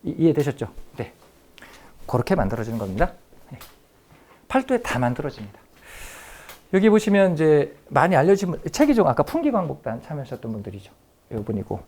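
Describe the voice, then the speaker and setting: A man's voice: fairly high pitch, wildly swooping pitch, a little fast, long pauses, darkish tone. A middle-aged man giving a history lecture to teachers, repeating key phrases and asking the audience questions.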